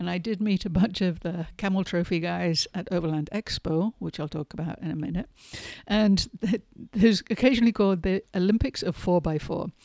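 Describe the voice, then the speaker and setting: Dry and close with no echo, a woman's medium-pitched voice has a dark, mellow tone, ordinary pitch variation and a moderate pace. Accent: English. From England. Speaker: podcast host and author. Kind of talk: solo podcast monologue.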